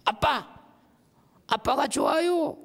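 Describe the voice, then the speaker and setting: Guy doing a little kid sweet-talking daddy, high and cooing, big echoey hall. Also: lively intonation, slow pace, creaky, fairly bright tone, exaggerated voice. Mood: sweet pleading. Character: small child pleading sweetly to daddy.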